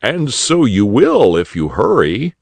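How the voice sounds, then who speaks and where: A man voicing a jolly, kindly old rabbit gentleman in a storybook reading. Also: mid-range voice, wildly swooping pitch, slow pace, vocal fry, dry recording, pitched above the performer's own voice, heavily acted.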